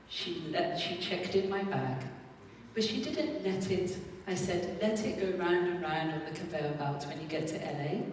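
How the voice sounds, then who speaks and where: A British woman telling a personal story on stage, with lively emphasis. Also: on the low side, a little hiss or hum. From Britain. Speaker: speaker. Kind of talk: storytelling talk. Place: large lecture hall. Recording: echoey hall heard from far off.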